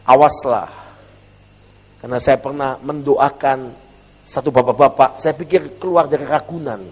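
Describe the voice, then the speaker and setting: A male pastor giving a humorous, animated sermon in a church, often calling out to the congregation. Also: mid-range voice, normal speed. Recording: long church reverb.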